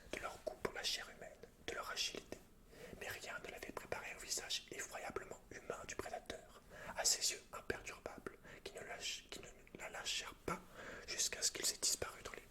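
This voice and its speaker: A man reading game lore in a soft, hushed, breathy whisper, as the host of an ASMR gaming video. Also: fairly quick.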